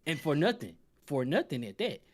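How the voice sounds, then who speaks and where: A man's voice: a little high, sing-song, moderate pace. A man on a gaming podcast panel discussing casually, giving opinions that he carefully qualifies as he goes.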